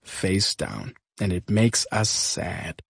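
A man's voice: sits low, sing-song, slow pace, gravelly, a bit bright, breathy edge, dry recording. A man reading a radio ad script in a light, chatty, comic tone. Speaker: ad voice-over. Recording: music bed behind.

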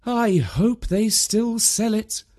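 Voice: mid-range voice, slow pace, pitched above the performer's own voice. Narrator doing a feisty, indignant mum. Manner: lively and indignant. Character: spirited mother, indignant but good-humoured.

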